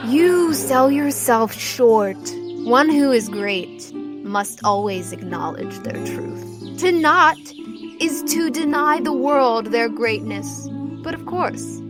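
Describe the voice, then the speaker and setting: Woman playing a grandiose, high-voiced circus ringleader. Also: animated, takes it slowly, music in the background. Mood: grand, proclaiming. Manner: florid, showy proclamations. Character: grandiose inhuman male circus ringleader, theatrical and welcoming.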